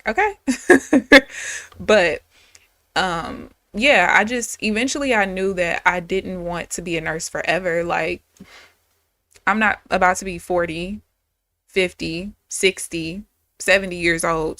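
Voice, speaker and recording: A woman's voice: on the low side, unhurried, sharp tone, no room sound. A woman in her thirties, a day trader chatting candidly and casually with viewers on a live stream. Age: 30s.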